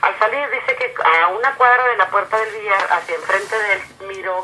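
A woman speaks at a fairly quick pace, her pitch medium with ordinary variation. Noticeable background noise runs underneath. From northern Mexico, Coahuila. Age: 60s. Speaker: caller. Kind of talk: storytelling.

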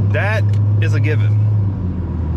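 A man is speaking. Loud noise fills the background. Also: dry sound with no echo. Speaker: car vlogger. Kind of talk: casual vlog chat. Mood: excited, curious. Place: car. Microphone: phone near.

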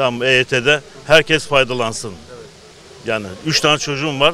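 With light background noise, a man speaks at a moderate pace with fairly even intonation. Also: dry sound with no echo. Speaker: interviewee. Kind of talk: street interview answer. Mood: earnest, somewhat aggrieved. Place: street. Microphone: handheld.

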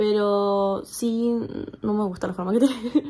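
A woman's voice comes across somewhat breathy, with a dark, mellow tone and fairly even intonation. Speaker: vlogger. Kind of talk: casual vlog chat. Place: home room. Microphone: phone near.

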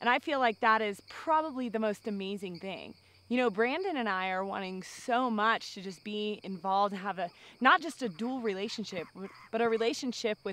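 The woman has a bright, sharp tone and ordinary pitch variation. She speaks at a moderate pace in a dry recording with no echo. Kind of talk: interview answer. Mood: happy, laughing, excited. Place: open country.

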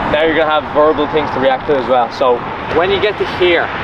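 Loud background noise surrounds a man talking at a fairly quick pace with ordinary pitch variation in a dry sound with no echo. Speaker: football coach. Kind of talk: coaching instructions. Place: open country.

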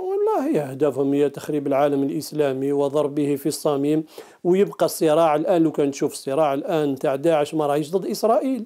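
Over a quiet background, a man talks at a moderate pace with hardly any pauses and a fairly high pitch. His tone is dark and mellow, his loudness very even and his intonation fairly even. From Algeria. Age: 50s. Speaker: Islamist politician and preacher; Islamist politician, preacher. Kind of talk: TV interview. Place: home room.

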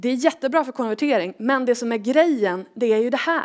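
A woman's high-pitched voice at a moderate pace, with ordinary pitch variation, over a quiet background. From Sweden, Örnsköldsvik (Norrland); Sweden. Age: 30s. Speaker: industry organisation founder; conference speaker. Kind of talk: conference talk. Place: stage.

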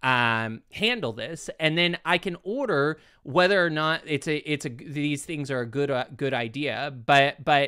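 A man talks at a fairly slow pace in a bright, sharp tone against a quiet background. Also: ordinary pitch variation. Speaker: streamer. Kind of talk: casual monologue explaining a process. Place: home room.

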